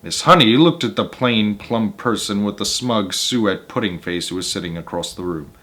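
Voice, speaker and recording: A man's voice: lowish voice, moderate pace, a bit bright. A man reading a children's book aloud as the narrator of a storytime show. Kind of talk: children's book read-aloud with casual asides.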